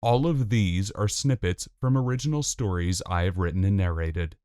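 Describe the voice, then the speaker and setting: A man narrating scripted fiction in a measured way, with dramatic pauses. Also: low voice, warm tone, no room sound, studio quality. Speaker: writer and narrator.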